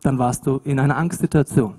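A man preaching a sermon in an animated, emphatic, colloquial way, with swings between loud emphasis and hushed asides. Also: medium pitch, fairly quick, slightly rough.

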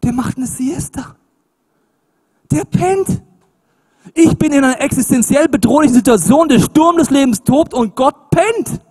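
A man preaching a sermon in an animated, emphatic, colloquial way, with swings between loud emphasis and hushed asides. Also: very high voice, husky.

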